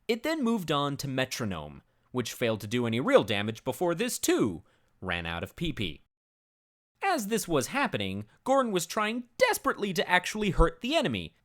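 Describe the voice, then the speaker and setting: A narrator performs a dramatic reading of a comedic tale. The delivery is theatrical and grave, like a solemn storyteller, with highly animated pitch that rises and falls widely.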